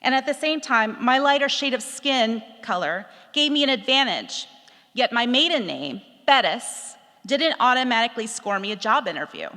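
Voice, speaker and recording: A middle-aged woman from Texas reading a personal essay aloud, in a reflective, measured storytelling manner. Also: on the high side, lively intonation, sharp tone. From Texas, USA. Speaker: speaker telling a personal story. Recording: long hall reverb.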